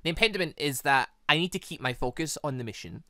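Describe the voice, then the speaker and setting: A gaming host plays a commanding villainess from a visual novel. She speaks with deliberate, low-key control and a possessive edge. The recording is close and dry. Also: lively intonation, sharp tone, no echo. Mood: cool, possessive. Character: coolly possessive, commanding villainess plotting her mission.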